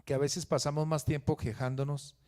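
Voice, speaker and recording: A man preaching a sermon, swinging from loud emphatic peaks to quiet, low asides. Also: level tone, brisk. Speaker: pastor.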